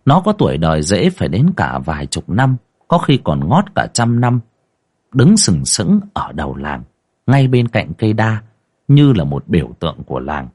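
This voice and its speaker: A man narrating a ghost story in a dramatic, expressive storytelling manner. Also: deep voice, normal speed, slightly rough.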